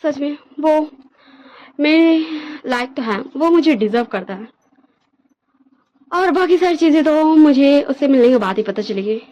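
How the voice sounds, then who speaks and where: A woman's voice: sits high, animated, measured pace, pauses often, warm tone, highs cut off. A woman voicing a proud young male cultivator who whines when his older brother teases him, in a read-aloud fan story. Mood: earnest.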